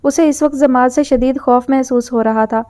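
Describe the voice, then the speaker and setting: High, smooth-voiced woman reading a novel. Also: steady tone, dark tone. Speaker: audiobook narrator. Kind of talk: scripted audio novel narration.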